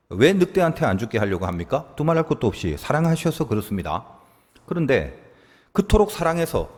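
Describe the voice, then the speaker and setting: A pastor with a mid-range, darkish voice preaches a sermon in a church sanctuary, speaking animatedly and acting out quoted lines. The recording carries the long reverb of a church hall.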